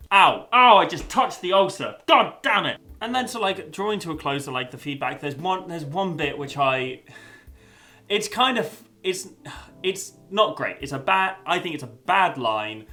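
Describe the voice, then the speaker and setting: A man's voice: fairly high pitch, animated, measured pace, pushed and bright, soft background music. A young man giving a casual spoken review, rambling with lots of fillers and restarts, and swearing now and then. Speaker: video essayist reviewing a story.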